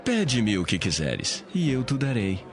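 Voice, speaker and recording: Boastful biblical king for audio Bible drama, male actor, low-voiced and declamatory, music behind. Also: wildly swooping pitch, measured pace, a crowd in the background, heavily acted. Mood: lavish, grand. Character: boastful biblical king making a lavish promise.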